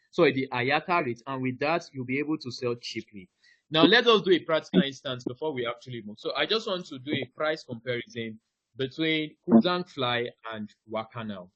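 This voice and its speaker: A male ticketing trainer leads a live online class over a video call, walking through each step, repeatedly saying "now," and quizzing his listeners. His mid-range voice is a bit bright, and the video-call audio is dull and dry with no room sound.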